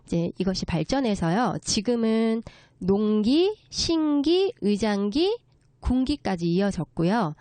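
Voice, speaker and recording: A woman gives a courteous interview explanation, taking things step by step. Her voice is mellow and relaxed, with lively movement in pitch. The sound is close and dry. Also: takes it slowly, no echo. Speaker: guest expert, children's story writer. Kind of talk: explanatory interview talk on local folk culture.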